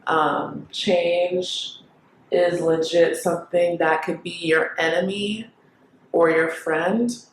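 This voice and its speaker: A young woman from Kenya who grew up in the United States, talking casually to camera, thinking aloud with pauses and fillers. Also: on the low side, fairly even intonation, echoey room, a little hiss or hum, poor audio. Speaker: vlogger.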